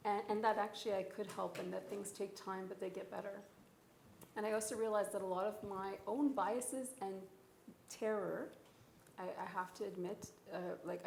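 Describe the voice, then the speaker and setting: A woman in her forties speaks on a panel as a physician, earnest and reflective, pausing often. Her voice has a gravelly texture. The room around her is echoey, with a faint hiss underneath. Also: medium pitch, a little mellow. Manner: earnest, reflective, with frequent ums. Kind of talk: panel discussion, personal account.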